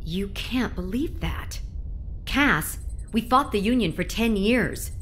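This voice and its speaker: A woman's voice: mid-range voice, animated, takes it slowly, fairly bright tone. A woman playing a hard-bitten, distrustful veteran of a space crew in a science fiction audio drama, blunt and insistent. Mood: bitter, insistent.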